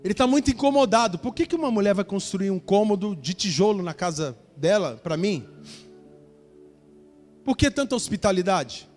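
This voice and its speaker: A man's voice: high-pitched, lively intonation, normal speed, darkish tone, faint music behind. A male pastor preaching a sermon, telling a Bible story with acted dialogue and speaking straight to the congregation. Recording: church hall with reverb.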